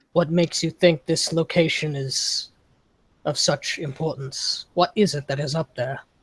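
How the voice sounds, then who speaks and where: A put-on character voice at a middle pitch. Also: moderate pace. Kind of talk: formal samurai speech. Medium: actual play. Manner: measured, formal.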